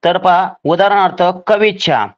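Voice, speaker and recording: A man teaching a grammar lesson for a scholarship exam, spelling out each rule slowly and deliberately, step by step. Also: sits high, lo-fi sound.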